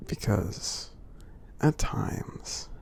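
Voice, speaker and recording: An ASMR performer voices a gentle, friendly male giant, kindly and reassuring, in a soothing roleplay. He half-whispers with a husky, gravelly creak and halting delivery.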